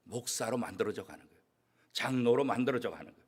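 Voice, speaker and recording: A man, a church pastor, preaching a sermon with strong emphasis, swinging from loud declarations to hushed, almost whispered asides. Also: medium pitch, animated, fast, breathy edge. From South Korea. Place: church sanctuary.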